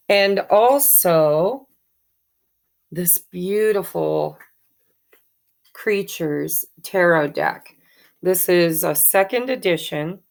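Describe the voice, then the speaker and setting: Hoarse low-voiced woman, gravelly. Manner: warm thankful rambling with many ums. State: hoarse from allergies. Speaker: tarot reader and channel host. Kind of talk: casual chat to viewers.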